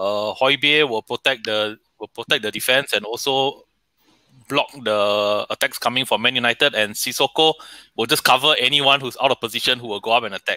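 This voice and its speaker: With a Singaporean accent, a man talks at a moderate pace in a bright, sharp tone and fairly even intonation, the sound dry with no echo. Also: medium pitch for a man, quiet background. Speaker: football fan panelist. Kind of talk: casual panel discussion. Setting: video call. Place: home room. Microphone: headset.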